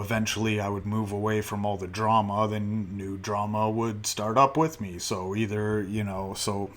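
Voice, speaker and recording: A man's voice: sits low, slight background noise. A Canadian man in his thirties hosting a solo podcast, rambling loosely with casual swearing. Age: 30s. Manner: loose, halting, many fillers and restarts, casual swearing. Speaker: podcast host.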